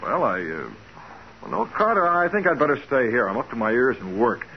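A blustery, animated company boss. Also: male voice, medium pitch, a little fast. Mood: reluctant. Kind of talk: 1940s radio crime drama acting. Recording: dull, noisy 1940s radio recording.

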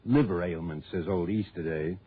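A man's voice: deep voice, moderate pace, slightly rough. An actor playing an opinionated, folksy male client who insists on his suspicions, in 1960s radio drama style. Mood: insistent. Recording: tinny old radio broadcast.

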